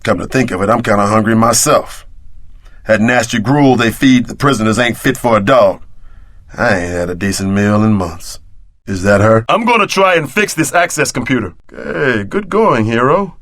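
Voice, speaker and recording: An actor playing a streetwise, wisecracking tough sidekick in a video game, wry and wary, with slangy delivery. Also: male voice, mid-range voice, moderate pace, fairly bright tone, no echo, natural voice. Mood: casual, alert.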